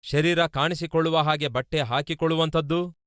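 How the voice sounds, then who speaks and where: A male pastor preaching with a Kannada accent, firing rhetorical questions and repeated lists, rising to loud peaks and dropping to low asides. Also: steady tone, normal speed, clear, resonant tone, no room sound, clean studio sound. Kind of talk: sermon.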